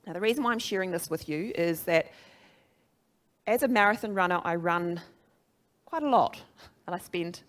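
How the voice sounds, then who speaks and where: A middle-aged woman with a New Zealand accent speaks in a fairly low register. She presents like a business trainer, chatty yet emphatic. She often turns to her listeners with questions. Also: normal speed, pauses often, a bit bright. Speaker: social media trainer and speaker. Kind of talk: motivational business presentation to a live audience.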